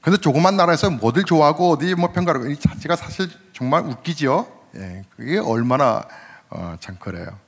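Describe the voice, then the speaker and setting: A man in his fifties, a senior pastor, preaching a sermon in a conversational storytelling way, asking the congregation questions and rising in pitch at emotional moments. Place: church sanctuary. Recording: long hall reverb.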